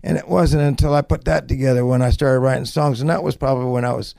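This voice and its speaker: Middle-aged songwriter, gravelly, animated storyteller acting out quotes. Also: male voice, medium pitch, fast. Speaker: songwriter guest. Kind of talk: storytelling interview.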